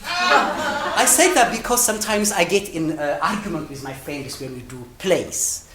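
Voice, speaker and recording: A middle-aged man with an Ethiopian accent tells a personal story in an animated, rising-and-falling voice, pausing on fillers and starting phrases over. Laughter often slips in between his phrases, and the sound carries the roomy ring of an event hall. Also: sits high, noisy background. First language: Amharic. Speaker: storytelling speaker.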